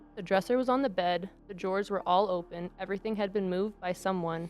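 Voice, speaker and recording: Music plays in the background as a woman talks at a fairly quick pace. Her medium pitch holds a fairly even intonation. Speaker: podcast co-host. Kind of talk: scary story reading.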